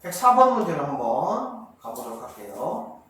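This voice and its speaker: A middle-aged man teaches math to middle schoolers, often asking a question and answering it himself, and stretching key terms out slowly. His voice sits a little high and moves up and down a lot. He is heard from a distance in a very echoey room with faint background noise. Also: big pitch swings, fairly bright tone. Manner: asks students questions and answers them himself, counts steps aloud. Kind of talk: classroom math lecture.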